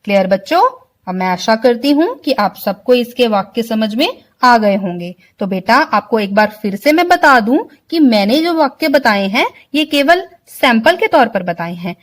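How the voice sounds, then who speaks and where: A woman teacher giving a slow online vocabulary lesson to children, explaining words one by one and often checking that they understand. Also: a little high, animated. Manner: slow, explains word by word, keeps asking if clear. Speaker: school Hindi teacher.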